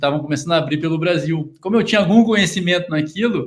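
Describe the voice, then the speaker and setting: A man with a southern Brazilian accent talks very fast at a high pitch. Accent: gaúcho. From southern Brazil (Rio Grande do Sul, Porto Alegre). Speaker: entrepreneur and investor. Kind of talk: interview conversation.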